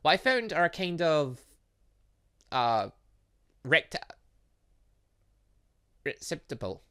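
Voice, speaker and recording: A man's voice: on the high side, sing-song, slow pace, sharp tone, clear, resonant tone. A man hosting a gaming video, reading game dialogue aloud with chatty asides and sometimes stumbling over words. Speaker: gaming channel host.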